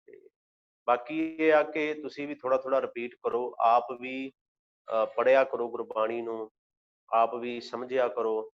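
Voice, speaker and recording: A man leads an online scripture class at a middle pitch. He moves between storytelling and slow, careful recitation of verses. The audio is dull and lo-fi, as from a video call. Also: steady tone. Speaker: Gurbani teacher.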